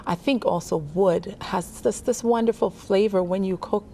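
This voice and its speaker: A woman from Jamaica, a pastor and guest, telling stories of her childhood in a relaxed way and laughing often. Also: medium pitch, moderate pace, slight background noise. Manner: warm storytelling, laughs often. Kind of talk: casual interview chat.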